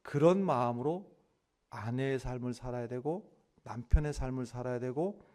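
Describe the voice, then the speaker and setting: A male pastor preaching a sermon, moving from quiet, earnest talk to loud, impassioned pleading. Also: mid-range voice, normal speed.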